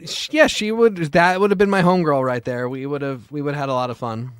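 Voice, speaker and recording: Thoughtful, smooth-voiced male co-host. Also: a little high, fast, dry recording, clean studio sound. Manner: thoughtful, hesitant, with many fillers and restarts. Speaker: podcast co-host. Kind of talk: casual chat.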